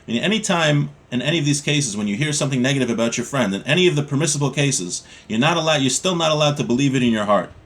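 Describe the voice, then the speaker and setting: Calm man explaining Jewish law. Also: mid-range voice, fast, hardly any pauses. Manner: calm, explanatory, repeats points for clarity. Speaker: Torah teacher. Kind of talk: text study class, reading Hebrew then explaining in English.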